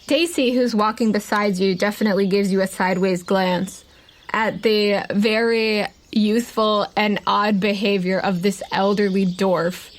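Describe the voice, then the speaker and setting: A woman's voice: medium pitch, fairly even intonation, measured pace. Casual woman running a tabletop game. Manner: casual, conversational, uses "like" often. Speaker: game master. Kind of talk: narrating a tabletop roleplaying game, improvised.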